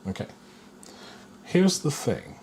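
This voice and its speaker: A man giving a guided spiritual lesson, talking slowly and deliberately and chuckling now and then. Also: fairly high pitch, wildly swooping pitch, gravelly, darkish tone, slight background noise. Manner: slow, deliberate, with playful chuckles. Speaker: spiritual teacher.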